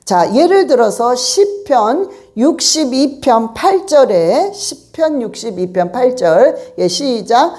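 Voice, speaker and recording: A woman's voice: a little high, lively intonation, slow, hardly any pauses, warm tone. A woman pastor from Korea preaching a sermon, urging her congregation with emphatic, repetitive exhortations.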